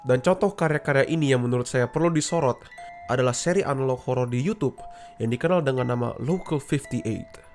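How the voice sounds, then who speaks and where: A man's voice: medium pitch, fairly quick, darkish tone, soft background music. Man narrating a casual video essay. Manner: casual, explaining step by step and addressing viewers directly. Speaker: YouTube video essay host.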